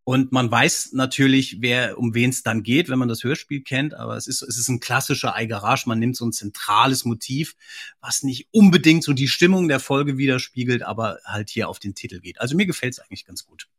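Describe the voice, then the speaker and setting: A man guesting on a podcast, chatting in a relaxed way and analysing what he talks about. His voice is a bit husky and sits at a middle pitch. The recording is dry and close. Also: fairly quick, no room sound. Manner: relaxed, analytical, laughs easily. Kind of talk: casual chat.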